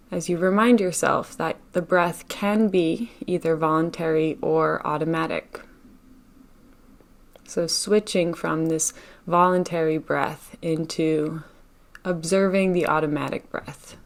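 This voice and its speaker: A woman with a somewhat low-pitched voice guides a meditation session. She speaks gently and takes her time, breaking her instructions into short phrases with generous pauses between them.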